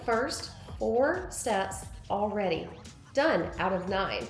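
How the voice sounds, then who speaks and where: A woman speaking at a very slow pace, with music in the background and audible room echo. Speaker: mortgage lender. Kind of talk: interview explanation.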